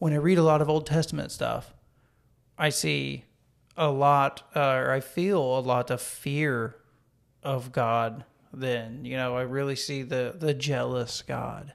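A man with a Southern US accent, medium-pitched, ordinary pitch variation, on a very clean recording with a silent background. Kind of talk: casual faith conversation.

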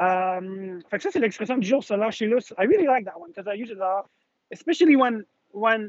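The speaker uses a Quebec French accent at a moderate pace. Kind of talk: casual chat. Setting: video call.

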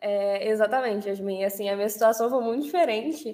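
A woman speaks at a moderate pace with a fairly high pitch and ordinary pitch variation. She has an ordinary speaking voice. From Petrópolis, Rio de Janeiro state, Brazil. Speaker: economics student. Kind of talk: casual interview.

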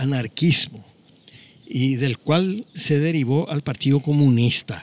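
This man speaks with a Paraguayan accent. His pace is very slow. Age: 80s+. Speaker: actor and former political prisoner. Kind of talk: testimony. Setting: at his home.

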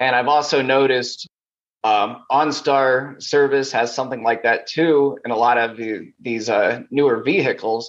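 Against a quiet background, a man speaks in an ordinary speaking voice at medium pitch with ordinary pitch variation. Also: moderate pace. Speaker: podcast host interviewer. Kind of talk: casual interview conversation.

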